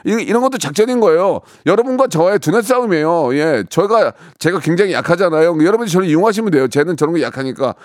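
A man's voice: high voice, animated, fast, hardly any pauses, no room sound, studio quality. A male radio host chatting casually and teasingly with callers. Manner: joking, rambling, teasing.

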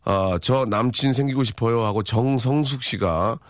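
A man's voice: medium pitch, normal speed, no room sound, studio quality. A man in his forties hosting a radio show, reading listener messages in a playful, jokey chat and acting out little voices.

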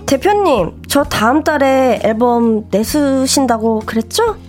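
A woman's voice: high voice, lively intonation, takes it slowly, a little mellow, faint music behind. An actress playing a determined young woman who wants to be a singer, earnest and pleading. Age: young adult.

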